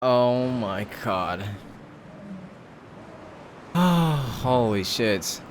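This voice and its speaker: Animated, casual male game streamer. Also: mid-range voice, very slow, a little hiss or hum. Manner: swears casually, amused. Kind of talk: casual live-stream reaction.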